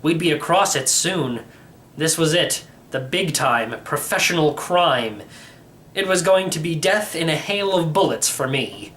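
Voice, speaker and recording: Animated man narrating a storybook, noisy recording. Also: on the high side, measured pace. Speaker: storybook reader. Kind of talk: first-person storybook narration.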